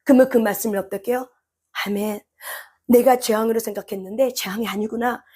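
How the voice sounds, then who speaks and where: A woman preacher delivers a fervent sermon in a fairly high voice. She keeps putting questions to her listeners. Her voice rises into loud, pleading cries at the height of her words. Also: steady tone, a little fast, husky. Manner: impassioned, rises to shouted cries when voicing prayer; asks the congregation rhetorical questions.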